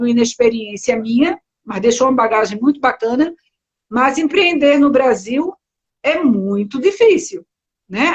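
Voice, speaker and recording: A woman's voice: high voice, muffled recording. A woman from Recife with a Pernambuco accent, talking as a guest in a live interview and rambling with many fillers. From Recife, Brazil. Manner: chatty, many fillers and self-corrections. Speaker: entrepreneur, guest. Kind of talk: casual live-stream interview.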